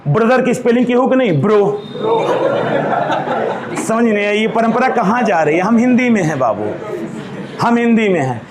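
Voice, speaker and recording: A man's voice: sits high, lively intonation, moderate pace, pauses often, heavy background noise. A man teaching a grammar class in front of a board, repeating terms for students to copy down and calling them "babu".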